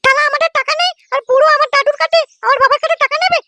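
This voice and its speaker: A squeaky, cheeky little kid. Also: female voice, fairly even intonation, racing, sharp tone, no room sound, heavily acted. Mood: nosy, indignant. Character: cheeky, greedy little grandchild, squeaky and nosy. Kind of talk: comedy cartoon dialogue.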